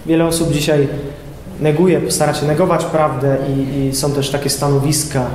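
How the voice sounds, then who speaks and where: A young man giving an informal lecture to high school students in a classroom, hesitating often with filler sounds as he explains. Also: level tone, moderate pace, a little mellow. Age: young adult. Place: classroom with projector screen, indoors. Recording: echoey room with long reverb, faint noise.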